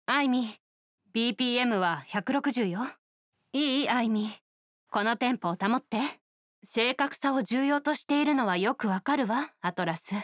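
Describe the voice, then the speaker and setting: A proud young oni woman from a video game, played by an actress, with a fairly high voice recorded dry and close. She is a star musician and a perfectionist. Her delivery is poised, exacting and sure of itself. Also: no echo, natural voice. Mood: composed. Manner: poised, self-assured, exacting. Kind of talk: Japanese video game character voice lines.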